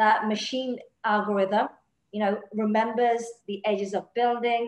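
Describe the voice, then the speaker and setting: In an English accent, a woman speaks at a moderate pace. Her intonation is monotone and flat, with audible room echo. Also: quiet background. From England. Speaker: teacher and AI educator. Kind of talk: teacher training webinar presentation. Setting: video call with screen sharing. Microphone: webcam.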